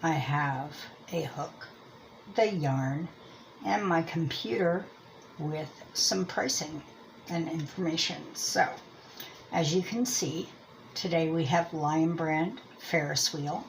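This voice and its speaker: A woman's voice: low-pitched, slow, a little hiss or hum, poor audio. A woman from Pennsylvania with a Pennsylvania Dutch accent chats casually as the host of a homemade review, rambling and thinking aloud in a self-deprecating way. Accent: Pennsylvania Dutch American. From Lancaster County, Pennsylvania, US. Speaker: host of a crochet and yarn channel. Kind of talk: casual chatty product review.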